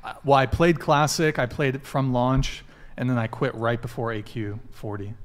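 A man's voice: medium pitch, fairly even intonation. A man hosting a live dating podcast panel, pressing guests and chatting loosely with many restarts. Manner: pushy, talks in quick restarts. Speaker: podcast host. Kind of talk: casual panel chat.

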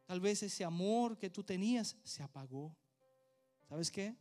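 A male pastor delivers a sermon straight to his congregation. He hammers his points home by repeating phrases, and his pitch runs high. Faint music plays softly under his voice. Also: lively intonation, a little slow. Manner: emphatic preaching, direct address, repeated phrases. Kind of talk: sermon with prayer.

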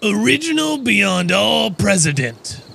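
A man's voice: sits high, sing-song, slow, creaky, bright, forceful tone, husky, heavily acted. A man playing a crude, boisterous young dude in an audio drama. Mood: reading aloud.

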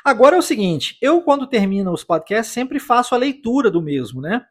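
A man teaching English pronunciation in a podcast lesson, drilling phrases slowly for the listener to repeat. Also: very high voice, sing-song, breathy edge. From United States.

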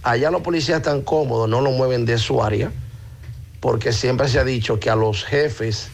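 A man from the Dominican Republic leaving a message for a radio show, calmly explaining his view on police. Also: medium pitch, moderate pace, creaky, a little hiss or hum. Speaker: caller.

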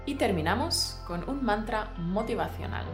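A woman co-hosting a scripted language lesson, speaking in a clear, careful teacherly way. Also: medium pitch, animated, normal speed. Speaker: Spanish teacher, co-host. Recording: roomy sound with faint music.

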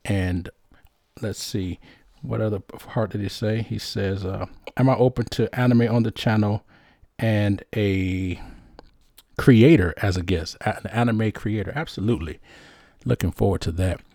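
Male host, low voice, upbeat casual chat, dry close sound. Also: steady tone, a little slow, mellow, no room sound. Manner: upbeat, many restarts and fillers. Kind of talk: casual show chat, reading viewer questions.

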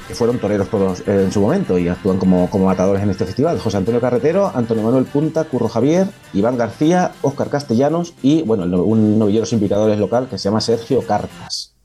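A man with a warm, relaxed voice reads out a long list of events and names on a talk show. He pauses on filler sounds between items. Faint music plays underneath. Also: mid-range voice. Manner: lists names steadily with hesitations. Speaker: bullfighting agenda presenter.

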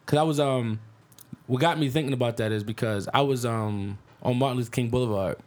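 A man's voice: mid-range voice, a little fast. A man with an African American Baltimore accent hosting a casual podcast chat, slangy and given to quoting himself. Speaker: podcast host.

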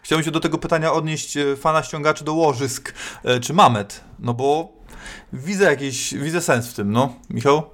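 A man's voice: fairly high pitch, normal speed, a bit bright. A man co-hosting a casual talk show, often hesitating and restarting his sentences. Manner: hesitant, many restarts and fillers. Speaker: podcast host. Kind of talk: casual chat.

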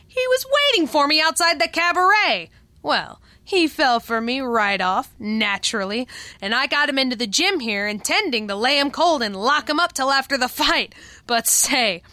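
A brassy young cabaret schemer, with a high, sharp voice recorded close and dry. She talks in sassy, defiant slang, full of scorn, in hard-boiled radio drama style. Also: dry recording.

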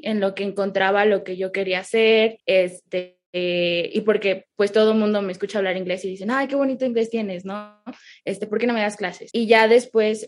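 Casting: woman, Texas-raised, mid-range pitch, conversational interviewee who explains things through little quoted stories. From grew up in McAllen, Texas, United States, with Mexican parents. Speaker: interview guest, online English teacher.

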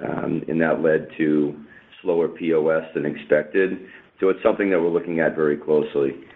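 A man answering questions as a company executive on an earnings call, in a measured, careful manner with pauses. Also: very deep voice, little pitch movement. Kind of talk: unscripted corporate question-and-answer. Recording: narrow tinny phone conference line.

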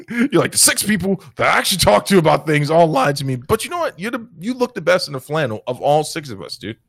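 A man's voice: a little high, big pitch swings, quick pace, gravelly, fairly bright tone, slightly rough, no room sound, clean studio sound. A man co-hosting a casual gaming chat, teasing his partner and laughing often. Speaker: podcast co-host.

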